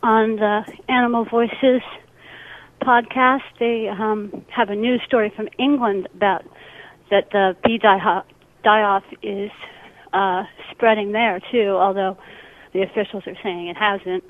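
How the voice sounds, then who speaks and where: A woman caller leaving a casual, somewhat halting voicemail message over a tinny phone line. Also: mid-range voice, fairly even intonation. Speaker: listener calling in. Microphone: telephone.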